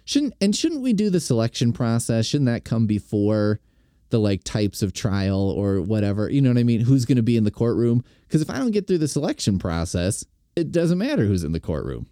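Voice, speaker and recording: A man's voice: medium pitch, sing-song, a little fast, dark tone, dry recording, studio quality. A man hosting a podcast, giving rambling, sarcastic and profane commentary on a video. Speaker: podcast host.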